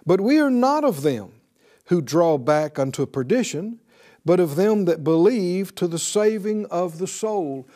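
Animated preacher man leading call-and-response. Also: sits high, a little slow. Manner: exhorting, call-and-response with congregation; repeats phrases for emphasis. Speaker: pastor. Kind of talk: sermon.

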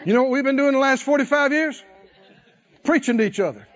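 A pastor preaches a sermon in church, telling the story in a folksy way and calling for responses from the congregation. His voice is very high-pitched and brisk, and the sound is lo-fi.

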